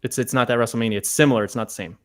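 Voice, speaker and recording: A man's voice: medium pitch, steady tone, racing, a bit bright. A man in a casual podcast chat, insistent and repeating himself as he makes his point. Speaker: podcast guest.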